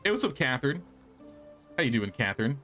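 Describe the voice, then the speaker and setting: A man's voice: mid-range voice, sing-song, fast talker, bright, forceful tone, soft background music. A man doing casual livestream gameplay commentary, chatting and thinking aloud as he plays. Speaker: game streamer.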